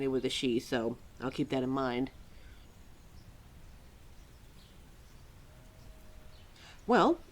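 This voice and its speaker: In this roleplay audio drama, a deep-voiced woman portrays a scatterbrained keeper of forgotten lore, centuries old, speaking to a listener with flustered hesitance. Her mood is sheepish and chatty.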